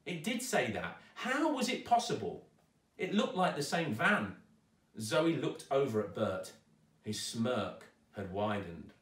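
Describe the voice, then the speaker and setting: Animated, bright-voiced man reading a story. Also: medium pitch, slow. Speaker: storyteller, actor reading aloud. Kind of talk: expressive children's story narration. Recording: roomy echo, distant microphone.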